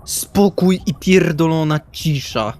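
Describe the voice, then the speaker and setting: A man's voice: on the high side, takes it slowly, a little mellow. A man playing an irritable, menacing vampire in an audio roleplay, curt and profane. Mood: seething. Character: Salvi, irritable, menacing vampire who craves silence.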